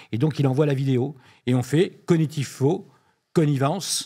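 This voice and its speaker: Moving at a moderate pace, a man speaks in a fairly high, somewhat breathy voice with a dark, mellow tone and ordinary pitch variation. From France, Blois. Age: 50s. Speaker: member of parliament. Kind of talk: political interview.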